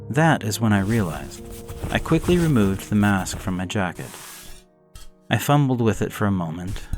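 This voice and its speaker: Man, low-pitched, solemn horror story reader, faint music bed. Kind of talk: scripted first-person narration.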